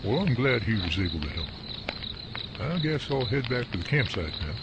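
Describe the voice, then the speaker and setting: A man's voice: medium pitch, sing-song, normal speed, natural voice. A man playing a friendly, polite visitor at a night campsite. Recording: loud cricket night noise.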